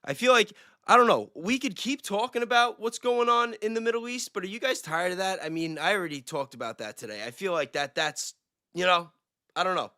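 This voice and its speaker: A man's voice: high voice, animated, fairly quick, sharp tone, no room sound, studio quality. A man talking casually and informally on a livestream, using slang as he speculates. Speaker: livestream guest, self-described independent investigator.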